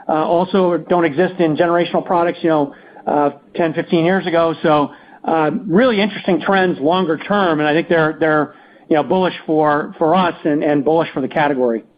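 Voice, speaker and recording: A man speaking as a company executive answering questions on an earnings call, halting and often restarting his phrases. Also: on the high side, steady tone, highs cut off, a little hiss or hum. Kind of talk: unscripted business Q&A on an earnings call.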